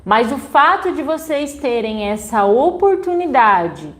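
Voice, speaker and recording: A woman's voice: sits high, big pitch swings, slow pace. A young adult woman with a Brazilian Portuguese accent, teaching an online sign language class in a chatty way, often adding "né?". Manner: chatty, frequent "né?" tags.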